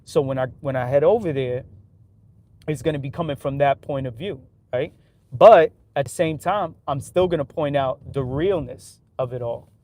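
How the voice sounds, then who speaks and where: A man's voice: mid-range voice, normal speed, warm tone, a little hiss or hum. A man talking casually in a livestream, giving his opinions in loose street talk full of "like" and "right?". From New York City.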